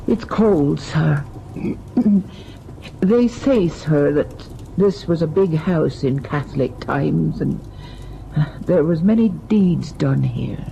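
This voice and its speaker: Older rustic housekeeper, superstitious and guarded, creaky and slow, muffled vintage radio sound. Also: female voice, sits low, lively intonation, dark tone, full character voice. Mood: guarded, uneasy. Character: superstitious, deferential older rural woman servant, uneasy and guarded. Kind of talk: old-time radio drama acting. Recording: dull, noisy old radio recording.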